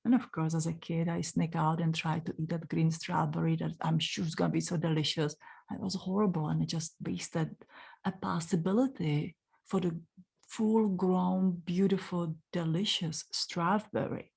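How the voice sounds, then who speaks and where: A woman in her forties with a Czech accent, telling a personal story in a gentle, unhurried way and speaking directly to the listener. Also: on the low side, fairly even intonation, vocal fry, slightly rough. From Czech Republic. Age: 40s. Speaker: spiritual channeler.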